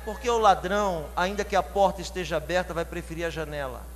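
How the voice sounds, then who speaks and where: Male preacher, São Paulo accent, high voice, shouted climaxes, long reverb, faint hum. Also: quick pace. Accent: São Paulo Portuguese. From São Paulo, Brazil. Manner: rising to loud shouted climaxes, drawn out; asks the congregation direct questions. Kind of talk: sermon. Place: church hall.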